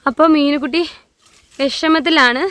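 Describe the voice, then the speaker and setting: Walking uphill through a plantation with her little daughter, this mother and vlogger narrates casually for her viewers, slightly breathless. She speaks in a high, steady voice that is unhurried and a bit bright.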